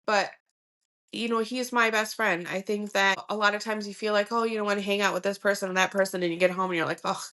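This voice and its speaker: Talking quickly in a sharp, mid-range voice with fairly even intonation, a Michigan woman in her forties opens up about family life on a podcast. The conversation is a casual interview, and she stays reflective, full of "um"s and "you know"s.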